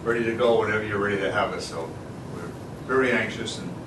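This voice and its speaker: A man's voice: fairly low pitch, fast talker. Hesitant man speaking in a roomy, noisy recording. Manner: hesitant, repeating phrases. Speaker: guest speaker, developer. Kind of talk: informal thank-you speech. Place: public event, picked up from a distance. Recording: distant echoey mic with loud ambient noise.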